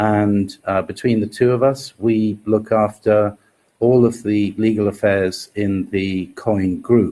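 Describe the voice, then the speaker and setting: A man with a British accent speaks very slowly in a fairly low pitch, his tone dark and mellow and his intonation flat and monotone. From northern England, Leeds, Yorkshire. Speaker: lawyer. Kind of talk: live Q&A stream. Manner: hesitant, with frequent fillers.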